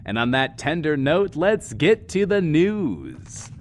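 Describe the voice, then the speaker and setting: An actor playing a self-important, wordy, lonely radio host in a post-apocalyptic bunker, in an audio drama. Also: male voice, a little high, sing-song, slow, slight background noise. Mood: showy, gossipy. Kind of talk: in-world radio show monologue, audio drama.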